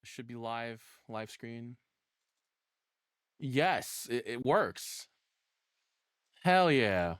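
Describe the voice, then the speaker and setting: A man doing casual live reaction commentary as a streamer, excitable and rambling, swearing freely. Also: mid-range voice, drawn-out words, long pauses. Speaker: VTuber streamer reacting to videos.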